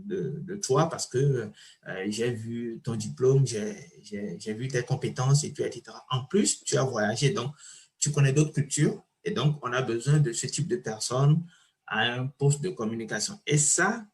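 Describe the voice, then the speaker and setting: A man hosts an interview in an easygoing, conversational way. His voice sits at a middle pitch, and he hesitates often and repeats himself as he shapes his thoughts. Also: moderate pace. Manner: relaxed, with many fillers and repeated words. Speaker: podcast host. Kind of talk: casual interview chat.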